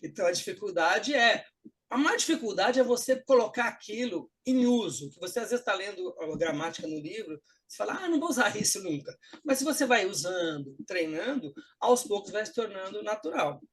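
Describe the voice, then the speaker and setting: A man with a Brazilian Portuguese accent, a guest on a talk show, explaining things in an animated way. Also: high-pitched, brisk, slightly rough. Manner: animated explaining, with lively acted-out quotes. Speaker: guest, English teacher and actor. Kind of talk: casual interview talk.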